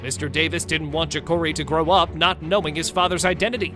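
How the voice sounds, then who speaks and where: A man's voice: on the high side, fairly even intonation, quick pace. A man reading dramatic scripted narration as a recap narrator. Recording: music bed under the voice.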